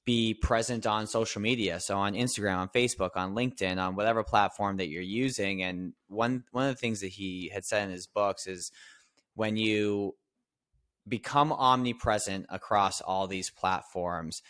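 A man with a low, smooth, resonant voice, answering interview questions in a modest, reflective way. The sound is dry and close, with no room around it. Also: normal speed, a bit bright, no room sound. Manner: modest, reflective, thinks aloud. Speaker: podcast guest, business coach.

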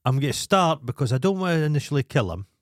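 A man's voice: fairly high pitch, big pitch swings, quick pace, no echo, clean studio sound. A Scottish man co-hosting a podcast in casual comic banter, sweary and indignant as he rants. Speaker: podcast co-host.

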